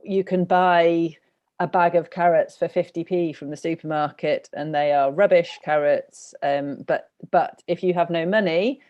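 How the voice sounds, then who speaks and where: A woman's voice: deep voice, warm tone, highs cut off. A British woman moderating an online panel discussion, talking informally in hesitant, rambling phrases. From Britain. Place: online video conference.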